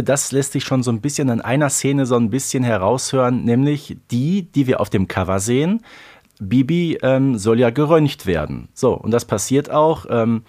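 A man hosting a podcast in casual chat, pausing often with filler sounds. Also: mid-range voice, a little mellow. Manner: hesitant, many filler sounds. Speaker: podcast host. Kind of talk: casual podcast chat about a radio play.

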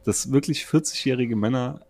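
Gravelly middle-aged man chatting. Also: mid-range voice, moderate pace, a little mellow. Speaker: podcast co-host. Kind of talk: casual chat.

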